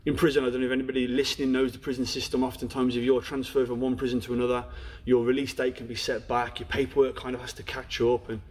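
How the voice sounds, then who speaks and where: Speaking quickly and plainly, a young man with a Black Country accent relates his personal story as a guest on a podcast interview, sprinkling in "you know". His voice has a darkish, level tone and an ordinary middle pitch for a man.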